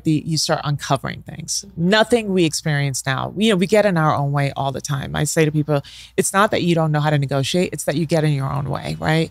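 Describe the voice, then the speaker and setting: A woman's voice: sits low, creaky, no echo. A middle-aged woman, a negotiation professor, talking reflectively as an interview guest on a studio mic, often checking in with "right?". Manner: thoughtful, peppers talk with "right?" and "sort of". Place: bright studio with leather armchairs. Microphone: studio mic on boom arm.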